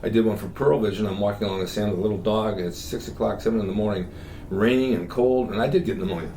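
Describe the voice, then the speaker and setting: A man with a lowish voice rattles off joking anecdotes at a fast clip as an interview guest. The room is echoey, with a faint hum of ambience underneath. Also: steady tone, warm tone. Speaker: guest, former actor and bodybuilder. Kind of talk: casual interview chat.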